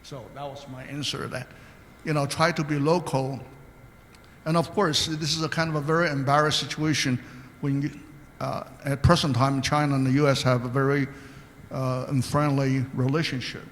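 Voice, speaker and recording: A man's voice: mid-range voice, flat delivery, normal speed, fairly bright tone, slight background noise. An older man from Taiwan, speaking earnestly as a guest on a panel, telling anecdotes with hesitant restarts. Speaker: guest speaker, state commissioner. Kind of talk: panel talk answering questions. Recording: reverberant hall.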